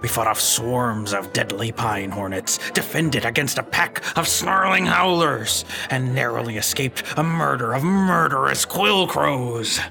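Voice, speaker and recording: An actor playing a blustering, vain river captain turned adventurer in an audio drama, pompous and exclamatory. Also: male voice, mid-range voice, unhurried, creaky, few pauses, music in the background. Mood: boastful. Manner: pompous, exclamatory, old-fashioned turns of phrase.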